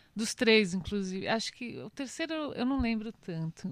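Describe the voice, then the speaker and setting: A woman has an ordinary speaking voice with a fairly high pitch. She talks at a fairly slow pace with ordinary pitch variation. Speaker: film festival curator. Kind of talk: casual chat.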